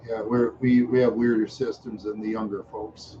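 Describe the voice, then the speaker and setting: An older man chatting in a slow, rambling way on a livestream, repeating "yeah" and chuckling often, tired and unwell. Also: on the low side, level tone, dark tone. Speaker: livestream host. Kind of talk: rambling casual livestream chat. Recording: dull lo-fi stream audio with faint noise.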